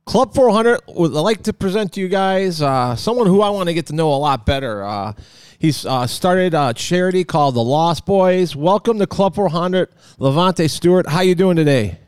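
Smooth-voiced, higher-pitched American podcast host. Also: male voice, animated, a little mellow, no room sound. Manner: informal, halting, repeats words. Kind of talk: casual chat and interviewing.

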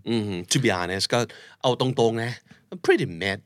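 A man hosting a casual English lesson, explaining slang playfully with quick laughs. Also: fairly low pitch, expressive, no room sound, clean studio sound. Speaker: podcast host teaching English. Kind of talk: casual language lesson chat.

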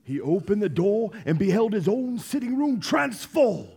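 A man playing a storybook narrator in a staged radio play, telling the tale in an expressive, drawn-out, dramatic way. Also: sits high, gravelly, heavily acted. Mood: wondrous. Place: theater stage. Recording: live stage recording with music underneath.

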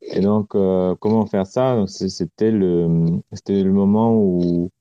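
A man from Romania, a guest speaking in a halting way and searching for words, heard over a remote call connection. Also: low voice, fairly even intonation, warm tone, smooth, no echo. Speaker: artist guest. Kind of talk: casual interview talk. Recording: dull lo-fi call audio, dry.

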